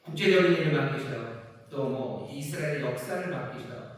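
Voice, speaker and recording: A male pastor preaching a sermon earnestly, slowing on key words and rising for emphasis. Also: medium pitch. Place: church sanctuary. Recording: echoey church hall from far off.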